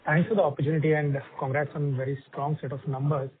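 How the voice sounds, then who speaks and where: A man's voice: fairly high pitch, level tone, quick pace, slightly rough. A man asking a question as an analyst on an earnings call. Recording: narrow, muffled phone line.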